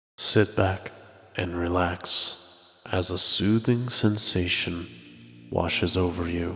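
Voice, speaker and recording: With music in the background, a soft-spoken man talks at a very slow pace in a calm tone, his very deep, low pitch showing ordinary variation. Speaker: voice actor. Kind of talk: guided meditation narration. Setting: studio. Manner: soft-spoken, slow, calm.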